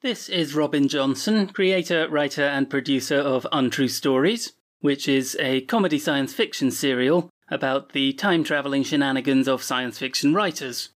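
A man's voice: medium pitch, normal speed, hardly any pauses, a bit bright. A man giving a scripted introduction as the writer and producer of an audio drama.

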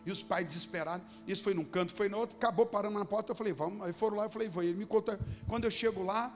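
Rapid-fire and high-voiced, a man pastoring a church hall preaches with passion, dramatizing a story by performing the voices of those he quotes. Long reverb fills the recording, along with faint music.

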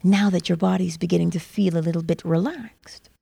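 Soft mellow lady doing guided meditation, gravelly fry, trails off breathy, big reverb on her voice. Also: lowish voice, steady tone. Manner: slow, soothing, breathy phrase endings trailing toward a whisper. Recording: long reverb on the voice.

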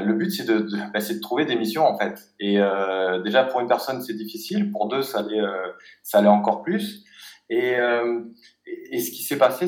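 Man with a Provençal accent, low voice, halting guest speech in an echoey room. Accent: Provençal French. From Aix-Marseille area, France. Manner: halting, many fillers and restarts. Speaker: guest, interface designer. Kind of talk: casual interview talk.

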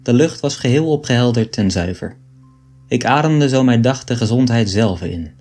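A man reading aloud an old book in a measured, deliberate way. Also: mid-range voice, animated, darkish tone, faint music behind. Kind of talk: scripted narration of an 18th-century text.

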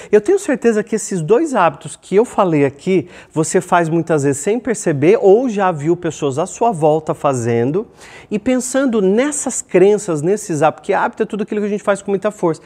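A man's voice: sits high, a little mellow. A man with a Brazilian Portuguese accent, hosting his own self-help video and giving an emphatic motivational talk to camera, repeating key phrases and shifting his pace. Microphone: camera microphone.

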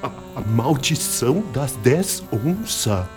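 A very animated, mocking backcountry gunwoman. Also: extremely low pitch, slow pace, soft background music, full character voice. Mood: ominous, hushed. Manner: teasing, colloquial, defiant. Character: sharp-tongued, mocking, stubborn backcountry gunwoman. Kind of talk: radio drama acting.

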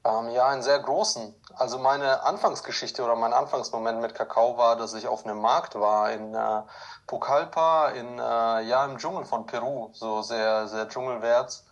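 A man's voice: medium pitch, normal speed, dull audio. Man telling stories with many fillers. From Ukraine, raised in southern Germany. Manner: relaxed storytelling with many fillers. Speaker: podcast guest. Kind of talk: conversational interview.

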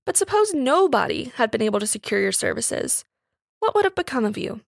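A woman's voice: on the high side, very animated, brisk, creaky, no echo, full character voice. Storybook master, read by a woman: amused, formal, reasoning, mildly condescending, recorded dry. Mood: amused, surprised. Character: genteel, amused Victorian master of the house.

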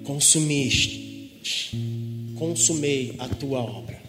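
A man with a Brazilian accent preaching a sermon in a lively, joking way, digressing with asides. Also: mid-range voice, extremely slow. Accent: Brazilian Portuguese. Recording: reverberant hall with music behind.

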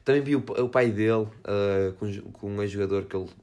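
Young male podcaster, European Portuguese accent, lowish pitch, casual and enthusiastic, slangy and repetitive. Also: moderate pace, darkish tone. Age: young adult. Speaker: podcast host. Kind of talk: casual chat.

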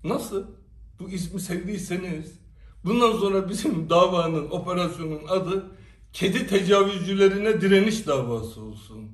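A man with a high voice speaks straight to camera, emphatic and full of rhetorical questions. He sits some distance from the mic, and his voice rings through a reverberant room. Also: moderate pace. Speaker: commentator addressing followers. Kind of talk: direct-to-camera monologue. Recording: echoey room, away from the mic.

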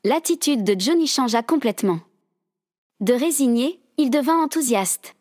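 Woman narrator reading a story, voice a bit high, dry close sound. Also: normal speed, no room sound. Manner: steady storytelling. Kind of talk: scripted narration.

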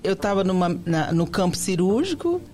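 A woman's voice: medium pitch, very animated, normal speed, darkish tone, soft background music. Candid Brazilian woman guest. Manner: candid, telling stories in short plain phrases. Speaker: guest, nursing technician. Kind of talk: casual interview chat.

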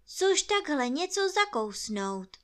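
A woman's voice: sits high, very animated, voice pushed up. A woman voicing a cautious, fussy little rabbit with a prim, polite manner in a storybook reading.

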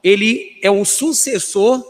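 Brazilian man w/ a pretty high voice explaining scripture, room echo. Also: slow pace. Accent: Brazilian Portuguese. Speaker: Bible study panelist. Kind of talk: Bible teaching explanation.

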